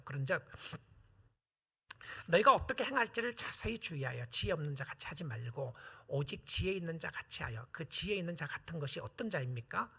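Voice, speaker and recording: A man pastor preaching a sermon, swinging from hushed whispered asides to loud, emphatic appeals and dropping in English phrases. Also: a little high, vocal fry, husky.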